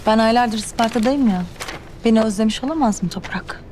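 A young actress playing a scheming rival who talks to others in a sugary, mocking, patronizing way, in a TV drama. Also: female voice, on the high side, fairly quick, natural voice. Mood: defensive. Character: sly, condescending young woman rival. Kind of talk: television drama acting. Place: hotel meeting hall. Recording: scene music underneath.

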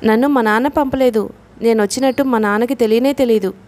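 A young bride in a storybook , voiced by a woman reader. She pleads gently and keeps her temper in check. The voice is fairly high. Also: quick pace, natural voice. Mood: pleading. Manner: soft, restrained pleading.

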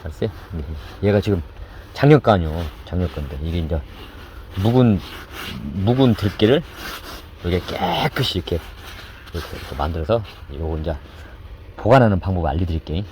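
Male cooking host, lively running commentary, heavy rain noise behind. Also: deep voice, brisk, long pauses, low-quality recording. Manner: repetitive running commentary while working, chanting instructions. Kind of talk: hands-on cooking demonstration. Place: indoors with downpour outside.

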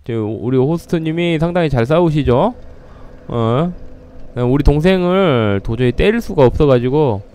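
A man's voice: medium pitch, a little mellow, clear, resonant tone. A man giving casual, playful commentary over a game he is playing, laughing often and letting out sudden startled exclamations. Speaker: gameplay commentator.

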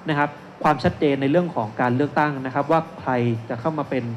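Holding a handheld mic on an indoor stage at a shopping mall expo, a man in his thirties presents at an investment seminar as a securities analyst and panel speaker. He speaks fast in a higher-than-average voice with fairly even intonation, laying things out step by step and leaning on polite particles. Soft music plays behind him amid noisy live event sound.

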